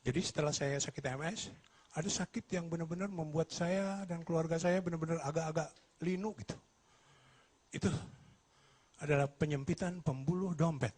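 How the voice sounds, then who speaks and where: A stand-up comedian from Madura, delivering self-mocking jokes with deadpan punchlines. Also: male voice, fairly high pitch, normal speed, a little hiss or hum. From Madura, Indonesia.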